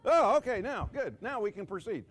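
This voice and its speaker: A man in his sixties preaching a sermon with dramatic pauses, dropping his voice low on key words and joking with the congregation. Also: sing-song, a bit bright. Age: 60s. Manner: jokes with the audience.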